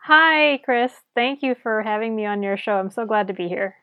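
A woman's voice: on the high side, lively intonation, moderate pace, dry recording, dull audio. A woman from Sri Lanka, a conservation scientist, speaking as a guest in a casual interview, chatty with many fillers and restarts.

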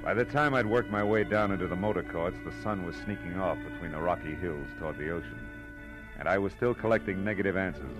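An actor playing a wry, world-weary private detective in a 1940s radio drama, with a tough, clipped delivery. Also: male voice, deep voice, low-quality recording. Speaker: lead actor and narrator.

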